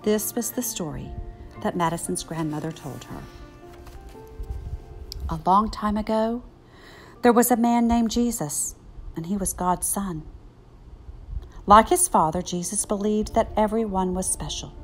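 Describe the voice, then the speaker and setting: A woman's voice: medium pitch, a little slow, pauses often, faint music behind. Older woman reading a children's storybook. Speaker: story time reader. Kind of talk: children's picture book narration.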